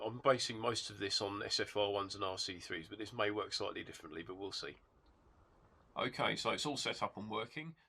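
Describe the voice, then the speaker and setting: Gravelly-voiced man with a cold. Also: lowish voice. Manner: explains step by step, relaxed, with hesitations. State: stuffed-up nose from a cold. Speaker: channel host reviewing a hobby gadget. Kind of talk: casual product demonstration. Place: home workshop with rain outside. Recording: rain and model engine noise behind.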